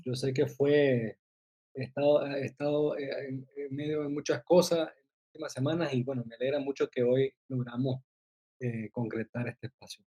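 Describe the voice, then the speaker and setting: A man's voice: medium pitch, steady tone, moderate pace, warm tone, breathy edge, highs cut off. A man in his forties, born in Costa Rica, talking as a guest on a podcast, hesitant with many fillers. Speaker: guest, journalist and filmmaker. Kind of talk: casual interview.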